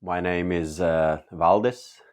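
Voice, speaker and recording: Deep-voiced man giving testimony. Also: fairly even intonation, a little mellow, smooth. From Latvia. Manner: halting, with many uh and um pauses; earnest and open. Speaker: church member giving testimony. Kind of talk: personal testimony.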